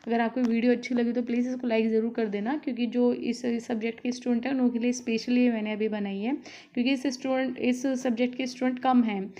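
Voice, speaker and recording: A woman's voice: a little high, level tone, quick pace, dark tone. A woman tutor giving a casual exam-prep lesson, explaining in a chatty way with many fillers. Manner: explanatory, chatty, with frequent fillers and "theek hai". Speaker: online tutor.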